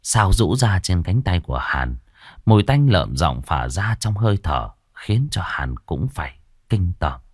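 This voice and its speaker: A man narrating a scripted horror story with a dramatic, expressive reading. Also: low-pitched, unhurried, breathy edge, dry recording, clean studio sound.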